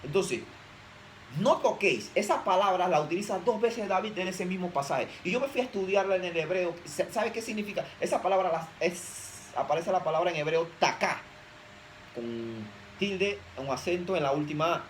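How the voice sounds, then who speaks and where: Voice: mid-range voice, fairly quick, few pauses, a little hiss or hum, rough recording. A preacher giving an emphatic sermon, often posing rhetorical questions to the audience.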